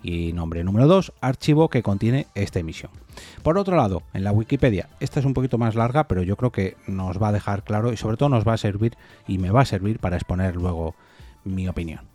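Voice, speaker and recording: A man's voice: lowish voice, lively intonation, brisk, mellow, soft background music. A man hosting a solo opinion podcast, reading definitions aloud and talking them through informally. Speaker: podcast host.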